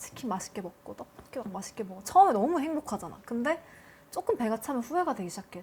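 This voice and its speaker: A woman's fairly high voice at a very fast pace, with very wide pitch swings over noticeable background noise. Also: big swings in loudness. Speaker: singer, main vocalist. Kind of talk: guest interview answers.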